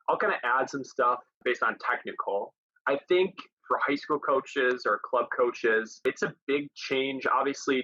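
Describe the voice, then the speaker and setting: A man with a bright, forward voice chats about coaching, circling back on his words as he thinks. The sound is a little muffled and very dry, as if from a home mic. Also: medium pitch, no echo. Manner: repeats words while thinking aloud. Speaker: college volleyball coach. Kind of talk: casual podcast chat.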